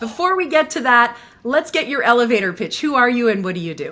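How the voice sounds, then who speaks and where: A woman's high voice at a very fast pace, with very wide pitch swings and noticeable background noise. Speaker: podcast host, former TV correspondent. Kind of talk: podcast interview questions.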